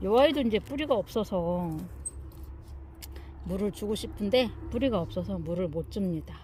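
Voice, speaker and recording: A woman speaks at a moderate pace, stopping often for long pauses. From Chungcheong, South Korea. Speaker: succulent-growing vlogger. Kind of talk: casual chat while repotting plants.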